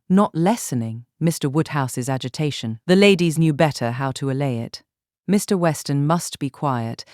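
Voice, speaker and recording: A woman reading a literary audiobook as narrator, measured and articulate. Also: deep voice, darkish tone, dry recording, studio quality.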